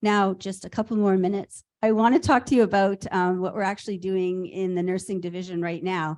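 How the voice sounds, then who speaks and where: Barely pausing, a woman speaks at a fairly quick pace with a medium pitch and fairly even intonation against a quiet background. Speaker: government health official. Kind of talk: conference presentation.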